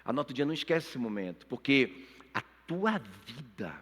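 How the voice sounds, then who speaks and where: A preacher voicing his older male mentor pastor, who gives calm, firm advice, in a hall with a long echo. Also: medium pitch, moderate pace, slightly rough. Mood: earnest. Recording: long reverb of a church hall.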